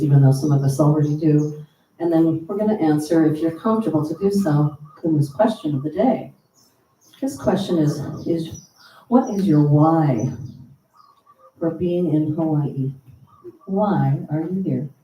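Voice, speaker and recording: Mellow-voiced woman hosting a church service. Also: low voice, normal speed. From United States. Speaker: service host. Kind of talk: church announcements and welcome. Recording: roomy, distant mic with faint hum.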